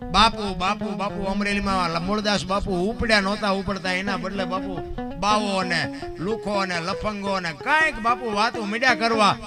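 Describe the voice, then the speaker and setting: A man with a Kathiawadi Gujarati accent telling folk tales on a live stage, mixing sung verses with stories. He swings from loud declaimed lines to low, confiding talk. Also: steady tone, normal speed, music in the background. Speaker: dayro storyteller. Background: musical instruments.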